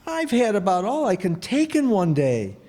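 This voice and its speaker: An actor playing a blustering, easily flustered husband in 1940s radio comedy acting, sputtering with exasperation. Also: male voice, high-pitched, wildly swooping pitch, normal speed, dark tone. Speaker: harried husband, new homeowner. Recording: reverberant old radio broadcast with faint noise.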